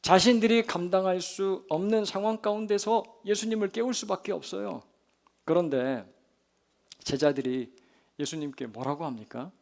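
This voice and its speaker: A man's voice: high-pitched, moderate pace, creaky. A male pastor preaching a sermon with animation, often putting questions to his listeners and acting out the lines he quotes.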